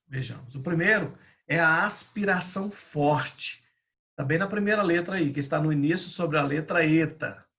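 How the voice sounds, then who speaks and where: A middle-aged man teaches a language lesson in a gravelly voice. He pitches it slightly high and explains patiently, restating each point. He talks like a pastor guiding a class. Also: a bit bright.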